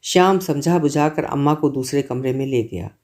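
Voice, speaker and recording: A man reading a literary short story aloud as narrator, in a measured, expressive way. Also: mid-range voice.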